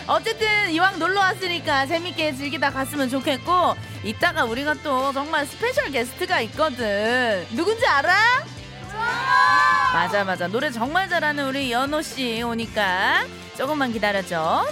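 A woman's voice: sits high, sing-song, moderate pace, over music. A woman in her thirties hosting a live radio show, chatting and teasing her listeners as she reads their messages. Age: 30s.

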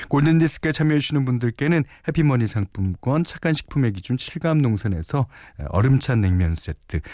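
A man hosting a radio show, relaxed and chatty, often chuckling as he reads listener messages and narrates a story. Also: mid-range voice, no echo. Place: radio studio. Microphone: studio microphone.

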